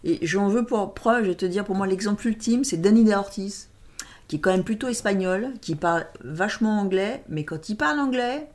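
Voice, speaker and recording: A French woman talking casually as an interview guest, lively and emphatic, animating her stories. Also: mid-range voice, normal speed. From France. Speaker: guest, stage performer.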